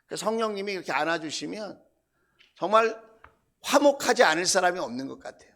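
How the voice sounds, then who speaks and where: Bright, high-voiced Korean pastor preaching. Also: male voice, vocal fry. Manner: earnest preaching, acting out his own prayers. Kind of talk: sermon. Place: church sanctuary.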